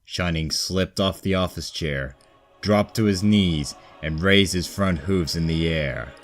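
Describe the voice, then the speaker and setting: A man's voice: low voice, a little slow. A man narrating scripted comedic fan fiction as a storyteller, with music behind him. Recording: background music under the voice.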